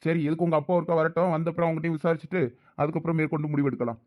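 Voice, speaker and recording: A man's voice: a little high, little pitch movement, rapid-fire, a little mellow, close to an everyday voice. A man voicing a strict, sceptical police officer in a cartoon, official and questioning, with a Tamil accent. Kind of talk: cartoon drama dialogue.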